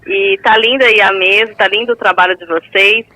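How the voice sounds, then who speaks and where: A woman's voice: medium pitch, fairly even intonation, a little fast, pushed and bright. A woman from São Paulo state calling in over a phone line, effusive and affectionate as she talks with the hosts. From São Paulo state, Brazil. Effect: heard over a phone line. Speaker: caller. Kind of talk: call-in to a live show.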